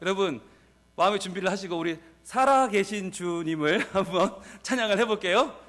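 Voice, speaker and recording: High-voiced Gyeongsang pastor preaching in a reverberant hall. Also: male voice, brisk. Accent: Gyeongsang Korean. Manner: energetic, leads the congregation in shouted call-and-response. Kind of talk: sermon.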